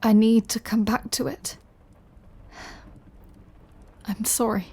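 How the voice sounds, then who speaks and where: A woman playing a remorseful, lovesick female vampire in an intimate audio roleplay, speaking in a hesitant, confessional way that often softens toward a whisper. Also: fairly high pitch, fairly even intonation. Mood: craving, confessional. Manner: hesitant, halting, confessional, with soft breathy drops. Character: remorseful, lovesick female vampire craving her lover's blood.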